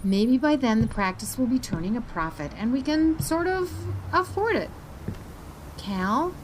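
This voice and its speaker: An actress playing a worried wife and gentle young mother in a naturalistic audio drama. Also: a little high, expressive, a little slow, noisy background. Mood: anxious, pleading.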